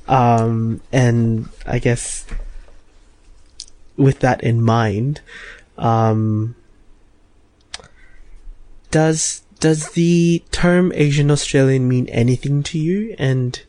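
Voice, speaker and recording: A man with a semi-English accent, hosting a conversational interview in a hesitant, measured manner. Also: mid-range voice, warm tone. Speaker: podcast host.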